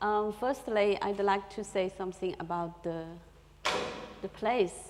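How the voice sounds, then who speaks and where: The speaker has a Chinese accent and ordinary pitch variation. The pace is very slow. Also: woman. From China, Shanghai. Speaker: professor. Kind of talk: conference talk. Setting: stage with audience. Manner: halting, many fillers.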